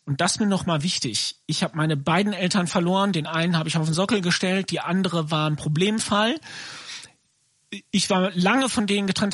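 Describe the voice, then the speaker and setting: A man's voice: high voice, fairly bright tone, breathy edge, dry recording. A man in his fifties speaking earnestly and emphatically from personal experience in a reflective discussion. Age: 50s.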